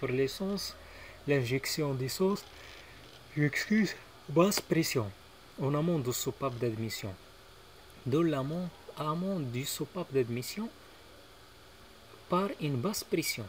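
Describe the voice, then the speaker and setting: With a non-native accent, a man speaks very slowly at a fairly high pitch, using lively intonation and long, frequent pauses. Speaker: mechanics teacher. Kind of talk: lecture. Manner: halting, many repetitions.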